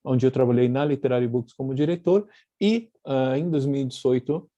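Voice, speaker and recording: A man's voice: medium pitch, moderate pace, dark tone, dry recording, lo-fi sound. A man from Argentina with a light Argentine accent, giving an online talk over a video call, thoughtful and full of fillers and restarts. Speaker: guest speaker, publisher. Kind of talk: online lecture presentation.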